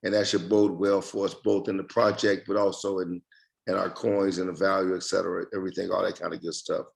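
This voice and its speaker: Man with a gravelly, slightly worn voice, flat delivery, repeats phrases as he gives a team update. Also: sits low, a little fast. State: losing his voice. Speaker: project leader giving updates. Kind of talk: casual group call update.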